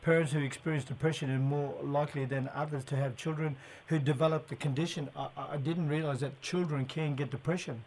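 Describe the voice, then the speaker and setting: A man's voice: a little high, steady tone, brisk, few pauses, darkish tone, rough recording. A man with an Aboriginal Australian accent presenting live talkback radio in a colloquial, matey way. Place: radio studio.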